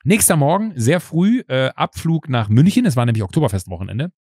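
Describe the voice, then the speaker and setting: A man's voice: medium pitch, a little fast, husky, no room sound, clean studio sound. A man hosting a podcast, telling a long anecdote in casual chat and acting out the voices of the people in it. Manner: animated storyteller acting out quoted voices. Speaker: podcast host.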